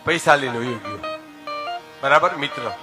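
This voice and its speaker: A man's voice: mid-range voice, expressive, normal speed, over music. An older man with a Gujarati accent, telling folk stories and giving moral advice to an audience, often calling them "saheb" and reciting couplets with emphasis. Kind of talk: dayro folk storytelling and moral talk.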